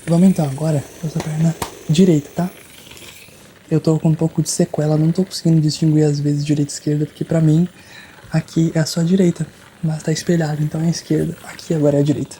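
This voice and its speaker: A Brazilian ASMR voice in a medium register, soft and mellow, roleplaying a chiropractor. The talk is casual, chatty and full of light joking. A noticeable machine noise runs behind the voice. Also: mid-range voice, little pitch movement, quick pace, rough recording. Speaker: ASMR creator playing a chiropractor.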